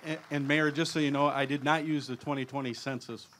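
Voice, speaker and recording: A man speaking as a neighborhood representative at an outdoor park ceremony. His speech is halting, with many fillers and restarts. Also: mid-range voice, steady tone, background noise. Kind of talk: public speech.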